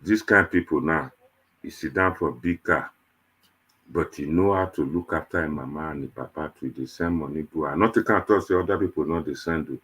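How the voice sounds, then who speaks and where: A man's voice: rumbling low, a little fast, fairly bright tone, husky. A man with a Nigerian accent hosting an online panel show in Nigerian Pidgin, talking to viewers in a casual, rambling, conversational way.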